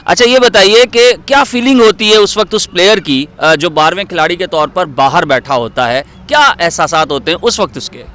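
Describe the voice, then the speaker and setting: A man with a Pakistani accent presenting in a theatrical, emphatic and deliberate way, like a dramatic poetry reader. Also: sits high, lively intonation, a bit bright.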